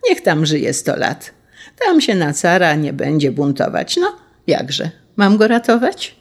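A woman's voice: low voice, big pitch swings, a little slow, full character voice. A woman voicing a sweet-voiced, menacing male tsarist general who speaks with a drawling, sing-song delivery.

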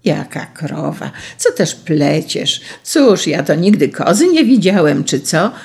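A sly village thief, as a storyteller puts him on, wheedling and mocking in a gravelly voice. He sounds a little raised and husky, as in a told folk tale. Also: mid-range voice, sing-song, slow, a little mellow, heavily acted. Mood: sly teasing.

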